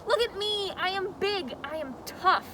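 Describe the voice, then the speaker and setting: A woman's voice: very high voice, unhurried, voice pushed up. A woman voicing a fierce, proud little wolf pup in a children's storybook, bold and emphatic. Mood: boastful. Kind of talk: children's storybook character reading. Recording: outdoor background noise.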